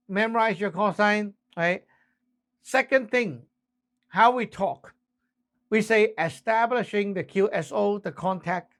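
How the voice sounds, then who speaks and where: A man with a high voice explains things to beginners as an instructor. He talks casually and step by step, tagging his points with little check-in questions. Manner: informal, frequent tag questions like "right?" and "okay?". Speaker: instructor, channel host.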